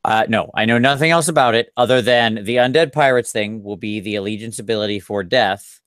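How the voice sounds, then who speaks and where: A man hosting a casual tabletop gaming podcast, tired after a long day and talking in an animated, self-deprecating ramble. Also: on the low side, a little fast, clear, resonant tone, no echo, studio quality. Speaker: podcast host. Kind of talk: casual chat.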